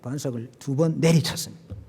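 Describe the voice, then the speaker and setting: A male pastor preaching a sermon in a church, slowing down and swelling his voice when he quotes scripture. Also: mid-range voice, vocal fry, a little mellow, husky. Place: church sanctuary. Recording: long hall reverb.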